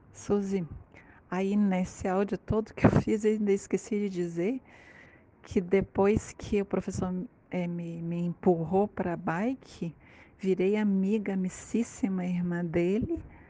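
Fairly even intonation, a dark and mellow tone, and a fairly slow pace. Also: woman, medium pitch for a woman. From Florianópolis, southern Brazil. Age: 50s. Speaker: cycle tourist. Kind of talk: recorded voice messages. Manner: halting, with many repetitions.

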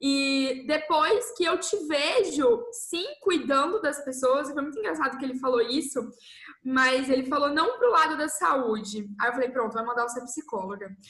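A woman's high voice at a moderate pace, with very wide swings in pitch. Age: 20s. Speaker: image and style consultant. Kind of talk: casual interview chat.

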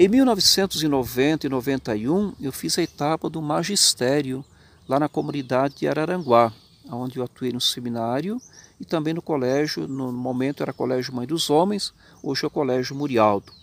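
At a moderate pace, a man with a plain, everyday voice speaks in a fairly high pitch with ordinary pitch variation, in a dry, close sound with no echo. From Brazil, rural Santa Catarina. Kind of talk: interview. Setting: priests' retreat.

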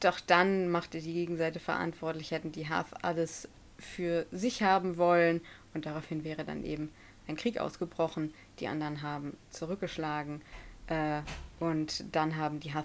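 A woman talks in a normal speaking voice, fairly low in pitch, at a moderate pace. Her intonation is fairly even, and her loudness swings widely. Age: 20s. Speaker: podcast co-host. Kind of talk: casual chat.

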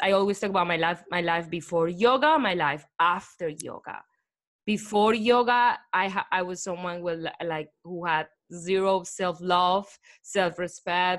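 A woman with a Colombian accent speaks at a fairly slow pace in a medium pitch, her tone animated and enthusiastic. The recording is very clean, with a silent background. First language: Spanish. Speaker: podcast host and teacher. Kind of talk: interview conversation, storytelling. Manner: animated, enthusiastic.

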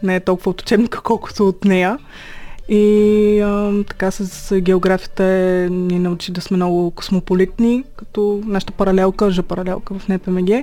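Dark and mellow in tone, a woman's medium-pitched voice moves at a moderate pace with monotone, flat intonation. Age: young. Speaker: student and platform founder. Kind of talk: interview.

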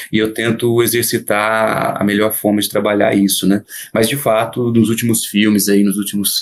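At a moderate pace, a man talks in a monotone, flat intonation at a fairly low pitch. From Brazil, São Paulo. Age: 40s. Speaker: film director. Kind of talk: interview. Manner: halting, with repetitions.

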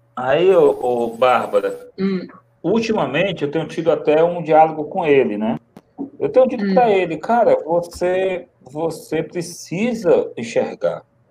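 With a northeastern Brazilian accent, a man speaks fairly slowly in a high voice with lively intonation. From Northeast Brazil. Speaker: live stream guest. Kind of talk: casual chat. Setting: hotel room on video call.

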